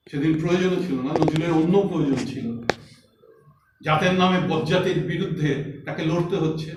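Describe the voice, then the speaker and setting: Man, high voice, lecture, emphatic, teacherly, reciting poetry, echoey hall, distant mic. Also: darkish tone, slight background noise. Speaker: speaker at a literary meeting. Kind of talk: lecture speech. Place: meeting hall.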